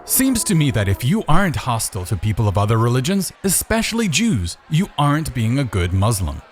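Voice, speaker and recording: A man's voice: medium pitch, huge pitch swings, fairly quick, slight background noise. A man delivering scripted rebuttal commentary as a video host, in a sarcastic manner full of rhetorical questioning.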